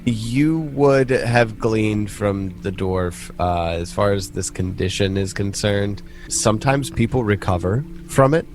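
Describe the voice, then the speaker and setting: A man running a tabletop game as game master, narrating casually with halting, joking delivery. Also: lowish voice, a little mellow, soft background music.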